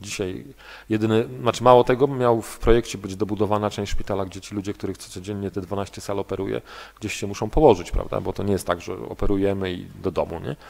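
In a fairly low pitch, a man rattles along at a very fast pace. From eastern Poland. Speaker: healthcare investment company director. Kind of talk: presentation at public meeting. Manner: halting. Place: meeting room. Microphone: podium.

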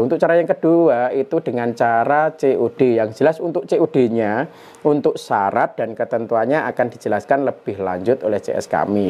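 A man talks at a moderate pace. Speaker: air rifle shop presenter and salesman. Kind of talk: sales pitch, product promo video, greeting and sign-off ritual. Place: shop. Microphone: lapel.

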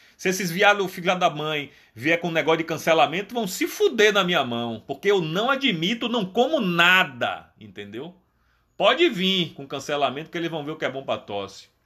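A man speaks in an animated tone with a high pitch and very wide pitch swings, at a moderate pace. His tone is bright and sharp, and the background is quiet. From Brazil. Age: 50s. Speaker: former reality show contestant; streamer answering followers. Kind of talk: casual live stream Q&A; casual live stream chat. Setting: Instagram live stream. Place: home room. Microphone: phone near.

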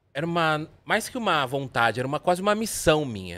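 The man has a fairly high pitch and lively intonation. He talks at a fairly quick pace. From Brazil, Santo André (São Paulo area); São Paulo area, Brazil. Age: 30s. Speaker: horror content creator. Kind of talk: casual interview, storytelling. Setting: studio. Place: studio. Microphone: studio mic.

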